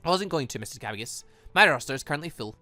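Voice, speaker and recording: A man voicing a calm, shrewd, formal academy headmaster in a visual novel, speaking in a measured, deliberate way. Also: fairly high pitch, faint music behind. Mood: cool, composed. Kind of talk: visual novel character reading.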